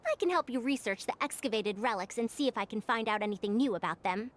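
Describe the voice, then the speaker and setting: A woman's voice: fairly high pitch, lively intonation, quick pace, close to an everyday voice. A woman voicing a proud, scholarly researcher in a video game, with formal, bookish phrasing. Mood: assertive. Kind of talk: English video game voice acting.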